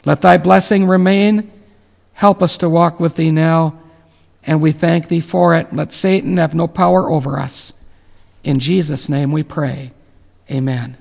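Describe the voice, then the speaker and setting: A man in his late fifties, a pastor, giving earnest closing thanks and a reverent prayer with many halting fillers. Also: on the high side, steady tone, vocal fry, a little mellow. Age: 50s. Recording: muffled with long reverb.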